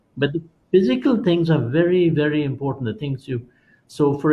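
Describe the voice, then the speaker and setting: At a fairly quick pace, a man speaks in a somewhat breathy voice with a fairly high pitch. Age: 60s. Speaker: public health NGO leader. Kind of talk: interview.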